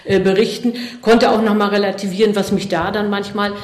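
A woman's voice: mid-range voice, flat delivery, brisk, darkish tone, echoey room. A middle-aged woman from eastern Germany answering interview questions thoughtfully, with many fillers and restarts. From East Germany.

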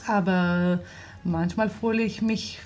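Slow Israeli-accented woman, hesitant. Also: medium pitch, steady tone, darkish tone. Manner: hesitant, searching for words, laughs often. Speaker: guest, actress and theatre director. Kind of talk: radio interview.

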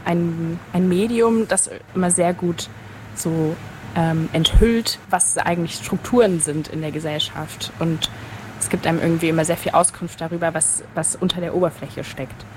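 A young woman, a linguistics student, talking thoughtfully in a casual podcast chat, pausing often with fillers. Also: on the low side, fairly even intonation. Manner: thoughtful, hesitant with many fillers. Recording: noticeable background noise.

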